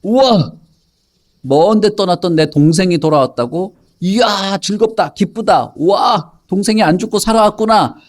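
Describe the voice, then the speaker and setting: A man's voice: high voice, moderate pace, pitched above the performer's own voice, lightly acted. A man voicing an indignant, resentful elder brother while retelling a Bible story to children. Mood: mock overjoyed. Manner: indignant, scolding.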